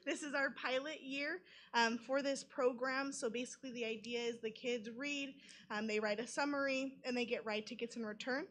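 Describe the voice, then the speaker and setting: Young female committee member, higher pitch, casual presentation style. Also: normal speed, fairly bright tone. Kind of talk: informal presentation. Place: council meeting room.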